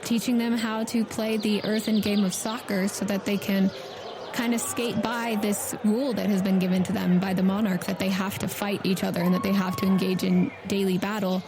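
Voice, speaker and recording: A woman's voice: medium pitch, flat delivery, normal speed. A woman game master narrating a tabletop game in a casual, conversational style.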